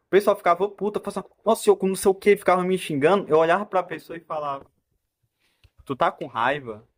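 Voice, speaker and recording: A talkative young man in his twenties with a Brazilian accent, his voice sitting a bit higher than most men's. He rambles through a casual personal monologue, cutting himself off and restarting mid-thought. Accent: Brazilian Portuguese. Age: 20s. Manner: talkative and rambling, with self-interrupting restarts and frequent laughs. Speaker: vlogger.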